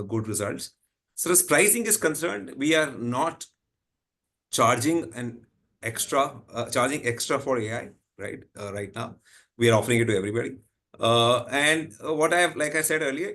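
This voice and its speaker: A man with an Indian accent, an executive responding to analysts, gives unscripted answers on an earnings call, reworking his explanations and closing points with "right?". His mid-range voice has a slightly bright tone.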